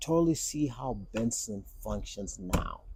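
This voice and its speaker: Animated male voice with a Kenyan accent, captured on a very clean recording against a silent background. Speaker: firefighter. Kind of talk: casual interview.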